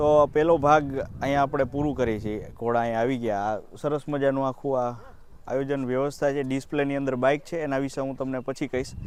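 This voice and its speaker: A man with a normal speaking voice, medium pitch and fairly even intonation, in front of a quiet background. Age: 20s. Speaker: horse vlogger. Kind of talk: vlog narration.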